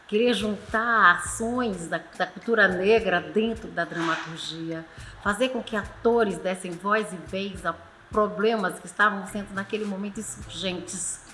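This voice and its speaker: A woman's voice: medium pitch, unhurried, sharp tone, a little hiss or hum. A middle-aged woman, giving personal testimony as an actress in a documentary. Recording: music behind the voice.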